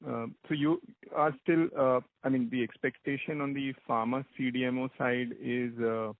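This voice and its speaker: Creaky-voiced Indian man over the phone. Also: mid-range voice, steady tone, moderate pace, no room sound. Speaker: analyst asking questions. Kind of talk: unscripted conference call questions. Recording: dry, narrow phone line.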